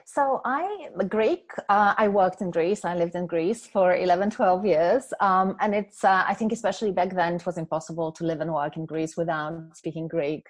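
A woman in her forties from Poland with a Polish accent, speaking as an interview guest in a thoughtful, measured way with frequent pauses. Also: fairly low pitch, no room sound. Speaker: guest, culture consultant. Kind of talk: reflective interview conversation.

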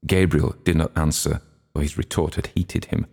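A man narrating a literary audiobook in a very low voice. His tone has a gravelly, creaky texture, and he reads in a measured, steady way.

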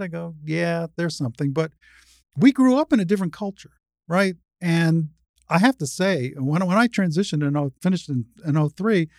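Older American trans woman, low masculine-range voice. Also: creaky, a little mellow, dry recording, studio quality. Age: 60s. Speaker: interview guest, trans rights advocate. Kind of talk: conversational interview, anecdotes and opinion.

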